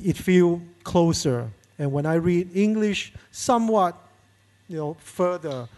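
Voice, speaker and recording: A man whose first language is Chinese, answering haltingly as he searches for words. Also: high-pitched, a little mellow.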